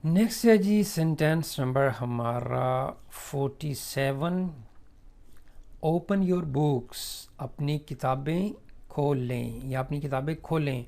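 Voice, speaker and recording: A man teaching simple classroom English sentences, saying each one slowly and explaining it at length with many fillers. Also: on the high side, creaky, a little mellow. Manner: slow, drawn-out model sentences in English, then Urdu explanation with many fillers. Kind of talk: spoken English lesson explained in Urdu.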